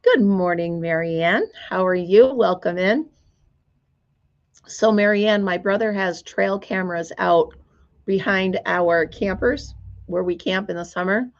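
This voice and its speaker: A woman hosting a casual crafting livestream from her store, chatty and greeting viewers by name, her voice still hoarse as it recovers. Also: mid-range voice, a little slow, dull audio.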